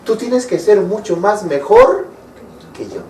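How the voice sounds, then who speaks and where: A man with a high voice preaches slowly, stopping often to ask his listeners rhetorical questions. He is recorded from far off, in a room with a strong echo and faint ambient noise. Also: lively intonation, warm tone. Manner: asks the congregation rhetorical questions. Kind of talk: sermon. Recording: echoey room, mic far off.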